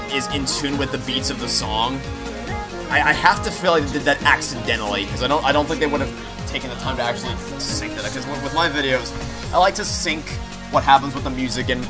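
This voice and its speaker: Rambling man streaming over game music. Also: medium pitch. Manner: rambling, repeats and restarts phrases. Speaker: video game streamer and host. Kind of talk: casual live playthrough commentary, chatting with viewers. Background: video game song playing behind the voice.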